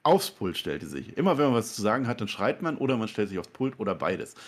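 A man's voice: fairly low pitch, big pitch swings, quick pace. A man hosting a wrestling podcast in casual chat, joking and teasing as he leads the rundown. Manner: joking, teasing, runs the segment.

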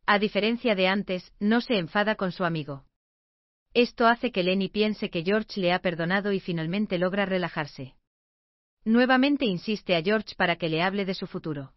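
A woman reading a book summary as scripted narration, in an even, measured way. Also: mid-range voice, no echo, lo-fi sound.

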